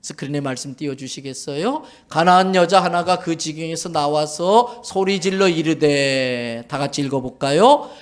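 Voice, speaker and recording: A man preaching a sermon in church as pastor, animated, acting out quoted voices and questioning the congregation. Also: a little high, moderate pace, few pauses. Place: church sanctuary.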